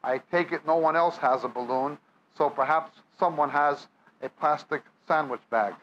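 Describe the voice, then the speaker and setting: At a normal pace and with a fairly high voice, a Bible teacher with a New York accent reads from scripture and then explains it during a sermon before a live audience. The setting is a church or meeting hall, and the recording is muffled with slight background noise.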